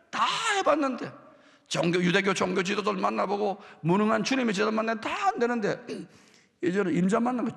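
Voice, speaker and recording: Gravelly Gyeongsang pastor preaching in a hall. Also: male voice, sits high. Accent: Gyeongsang Korean. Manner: dramatic preaching, swinging from hushed to loud. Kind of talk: sermon. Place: church sanctuary.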